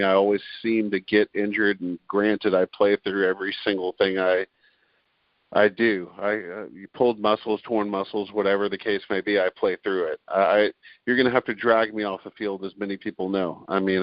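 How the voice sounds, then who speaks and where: A man's voice: on the low side, no room sound, muffled recording. A man in his forties, talking earnestly as a podcast guest, with frequent restarts and fillers. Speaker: guest, beep baseball player and league president. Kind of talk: podcast interview, conversational.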